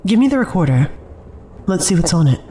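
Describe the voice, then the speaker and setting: Lowish-voiced sardonic woman survivor. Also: very animated, a little fast, warm tone, slight background noise. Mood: wary. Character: wary, sarcastic woman survivor trapped on mysterious train. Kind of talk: audio drama acting.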